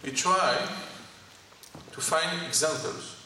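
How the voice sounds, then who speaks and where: A man with a Greek French accent giving a lecture to an audience in a college hall, speaking in short halting phrases and asking the audience questions. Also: a little high, bright, forceful tone. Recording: echoey hall from far off, faint noise.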